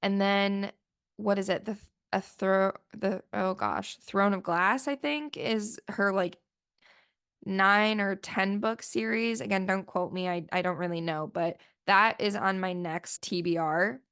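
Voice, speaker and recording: Woman podcaster just chatting, lots of like and um, smooth voice but sniffly, getting over the flu. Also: mid-range voice, fairly even intonation, measured pace, fairly bright tone. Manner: chatty, rambling, lots of "like" fillers. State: sniffly, voice still recovering from flu. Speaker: podcast host. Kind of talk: casual solo podcast chat.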